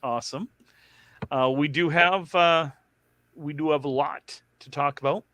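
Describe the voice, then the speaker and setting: A man's voice: fairly high pitch, unhurried, bright, forceful tone. A man hosting a casual bowling podcast, chatting loosely and stumbling over fillers. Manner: rambling, fillers, self-deprecating. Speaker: podcast host.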